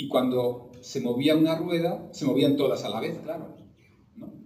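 A man's voice with audible room echo. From Spain, Bilbao (Basque Country). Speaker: comic book author. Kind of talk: interview. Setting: public library. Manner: halting, repeats words.

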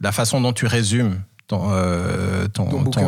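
Speech unfolds at a fairly slow pace. The pitch moves with ordinary variation. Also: man. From DR Congo. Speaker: filmmaker and actor. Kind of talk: interview.

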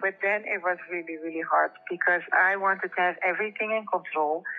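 A woman's lively intonation and moderate pace come through noticeable background noise. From Netherlands. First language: Dutch. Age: 50s. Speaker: missionary. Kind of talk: interview.

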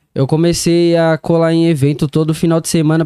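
Fairly quick in pace, a man talks with a high pitch and a dark, mellow tone. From Brazil, Suzano, São Paulo state. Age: 20s. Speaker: DJ and music producer. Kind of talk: casual chat. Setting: studio.

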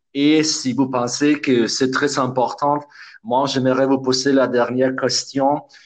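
A man with a non-native accent speaks very slowly at a medium pitch. His delivery is a flat monotone at very even loudness. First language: not French (speaking French). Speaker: hospitality training company director. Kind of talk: interview. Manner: halting.

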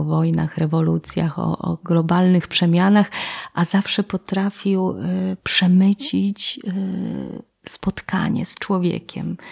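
A woman speaks at a very slow pace in a somewhat breathy, fairly low voice with fairly even intonation, the sound dry and close with no echo on a very clean recording with a silent background. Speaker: radio documentary reporter. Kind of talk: interview conversation.

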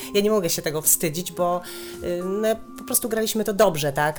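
Over music in the background, a woman speaks very fast at a fairly low pitch with lively intonation. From Silesia, Poland. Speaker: actress and screenwriter. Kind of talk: casual chat.

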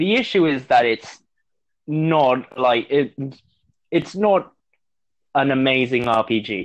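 With a British accent, a man speaks at a very slow pace, leaving long, frequent pauses. His medium pitch shows ordinary variation, loudness stays very even, and the background is quiet. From Mexico. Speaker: guest. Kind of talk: casual chat.

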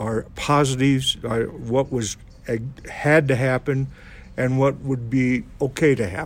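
The speaker talks at a very slow pace in a Midwestern US accent, with fairly even intonation. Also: man. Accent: US Midwest. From Iowa, US Midwest. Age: 80s. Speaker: missionary parent, guest. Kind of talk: casual interview.

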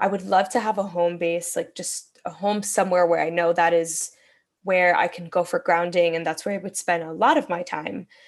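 With an American accent, a woman speaks in a plain, everyday voice at a fairly low pitch, with fairly even intonation and a moderate pace. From Miami, Florida (Dominican American family). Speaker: community organizer. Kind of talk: interview conversation.

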